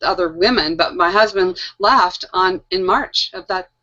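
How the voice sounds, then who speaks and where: A middle-aged woman hosting a casual panel discussion, animated and laughing often, repeating phrases for emphasis. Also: fairly low pitch, measured pace. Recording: muffled lo-fi audio.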